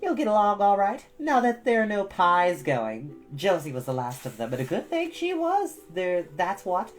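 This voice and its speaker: A woman's voice: medium pitch, very animated, moderate pace, soft background music, pitched above the performer's own voice, lightly acted. A woman voicing a stout, bossy older village gossip from a storybook, opinionated, emphatic and folksy. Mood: gossipy, emphatic. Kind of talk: storybook character voice.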